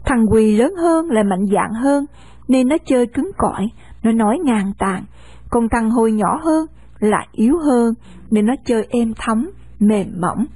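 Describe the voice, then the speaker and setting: A woman reading a novel aloud in a steady storytelling manner. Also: fairly high pitch, a little slow, no echo, soft background music. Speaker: narrator.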